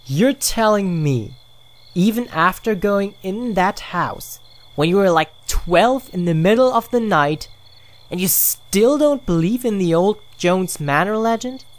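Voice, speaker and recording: A woman's voice: medium pitch, expressive, unhurried, close to an everyday voice. A woman playing an earnest young believer in local ghost legends, speaking hesitantly and conversationally in an amateur audio drama. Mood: insistent.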